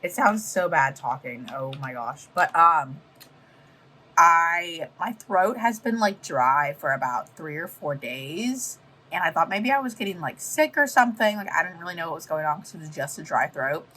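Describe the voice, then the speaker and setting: Hoarse young woman, bright edgy voice. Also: low-pitched, lively intonation, normal speed, poor audio. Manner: rambling, with many fillers and restarts. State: hoarse, partly lost voice. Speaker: vlogger. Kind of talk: casual vlog chat to camera. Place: at home, seated.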